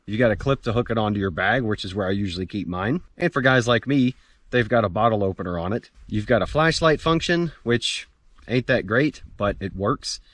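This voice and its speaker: A man's voice: on the low side, fairly bright tone, no room sound. A man giving a casual, plain-spoken product review to camera as the host, blunt in his judgments. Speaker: host of a gear review show.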